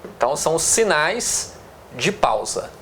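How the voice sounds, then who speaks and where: A man's voice: on the high side, big pitch swings, unhurried, fairly bright tone, a little hiss or hum. A man with a Brazilian Portuguese accent teaching a lesson on punctuation. He explains step by step, drags out words while writing on the board and keeps checking in with "tá?" and "né?". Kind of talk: classroom lecture on punctuation.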